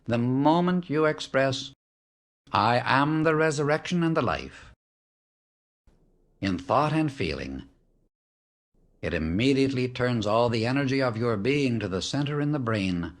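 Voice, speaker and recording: A man reading a spiritual audiobook as scripted narration, in a solemn, measured, declarative way. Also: medium pitch, animated.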